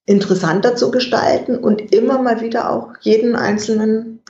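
A guest expert in an interview, explaining communication in a measured way and thinking aloud with fillers. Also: mid-range voice, steady tone, mellow. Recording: dull, roomy recording.

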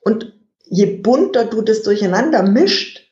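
A guest expert in an interview, explaining communication in a measured way and thinking aloud with fillers. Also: mid-range voice, expressive, a little mellow. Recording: dull, roomy recording.

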